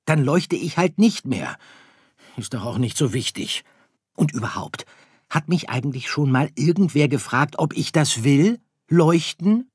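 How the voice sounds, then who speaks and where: Guy putting on a whiny little star kid, way up high, pouty, dry close sound. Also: animated, a little slow, slightly rough, no room sound. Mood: sulky. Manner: pouting, complaining. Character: sulky little boy star, stubborn and whiny. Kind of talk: audiobook character voice.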